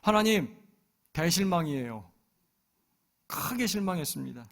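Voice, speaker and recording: A preacher putting on a grumbling old prophet. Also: male voice, high voice, animated, a little slow, gravelly, pitched above the performer's own voice, full character voice. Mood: complaining. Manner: whiny, complaining.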